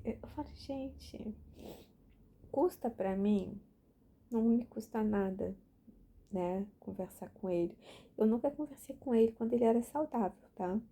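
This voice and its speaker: Woman, young adult, chatty and rambling, gravelly, husky. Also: medium pitch, mellow. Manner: chatty and anecdotal, with many fillers and restarts. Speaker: book reading vlogger. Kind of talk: casual spoken reflection.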